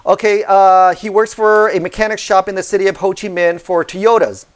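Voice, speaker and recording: A man's voice: high-pitched, steady tone, normal speed, smooth. A man hosting a casual car repair vlog, chatty and often checking in with listeners by asking "okay?" and "right?". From United States, Southern California. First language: Vietnamese heritage speaker, fluent in English. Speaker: car repair channel host. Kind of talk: casual how-to vlog talk.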